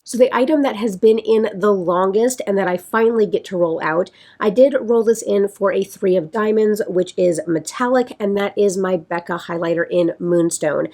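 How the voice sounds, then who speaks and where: A woman vlogger with a raspy, congested voice from a sinus infection, chatting casually and rambling a little as she talks through her products. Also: mid-range voice, mellow. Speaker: beauty vlogger. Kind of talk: casual chat.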